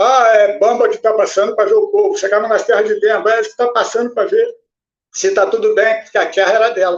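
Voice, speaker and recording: The man's voice sits at a high pitch with ordinary pitch variation. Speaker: lecturer on candomblé Kongo-Angola deities. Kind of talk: lecture. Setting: livestreamed talk at a festival. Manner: halting, many fillers.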